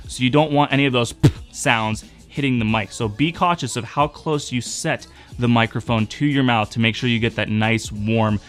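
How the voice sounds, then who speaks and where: Speaking into a boom-arm dynamic mic at his home streaming desk, a young tech tutorial host walks through tips for setting up a microphone. His mid-range baritone stays steady and matter-of-fact, with an instructive tone.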